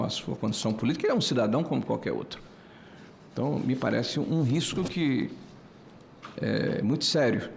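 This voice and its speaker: A man in his sixties giving a committee floor speech, hesitant with many filler pauses, building to emphatic indignation. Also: mid-range voice, creaky, a little mellow, slight background noise. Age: 60s. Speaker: senator. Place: senate committee room.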